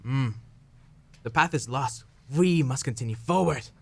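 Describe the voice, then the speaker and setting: A terse young boy on the hunt in a fairy-tale radio play, voiced by a student actor. He sounds ominous and commanding, with stilted phrasing at a middling pitch. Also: a little slow, vocal fry, darkish tone. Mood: ominous, intent.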